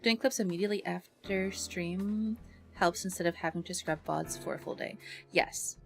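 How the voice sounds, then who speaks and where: A woman livestreamer chatting casually with viewers in a bubbly, expressive and affectionate way. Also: lowish voice, normal speed, creaky. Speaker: live streamer and ASMR content creator. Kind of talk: casual livestream chat with viewers, greeting them and reading messages. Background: background music.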